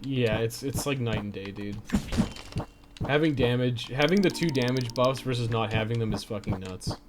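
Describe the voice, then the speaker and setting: Heavy background noise and game music surround a man livestreaming a game, who chats at normal speed in a mid-range voice. His talk is casual and informal, sprinkled with some swearing.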